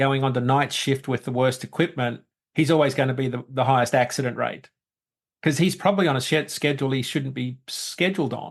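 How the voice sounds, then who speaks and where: A man speaks with an Australian accent at a medium pitch. His pace is fairly quick. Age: 60s. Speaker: sleep expert and former truck driver. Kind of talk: podcast interview.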